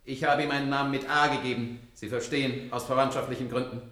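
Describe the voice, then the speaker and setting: Casting: male actor as obliging robot helper, radio drama, deadpan, clipped and rapid, echoey sound. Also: mid-range voice, natural voice. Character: obliging, unflappable robot builder with motherly instinct. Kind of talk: 1970s German radio drama acting.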